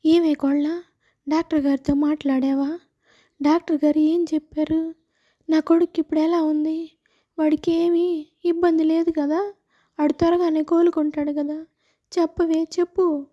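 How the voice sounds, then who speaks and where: A woman's voice: high voice, level tone, normal speed, long pauses, muffled recording, natural voice. A woman voicing an anxious, bossy mother-in-law who scolds and complains.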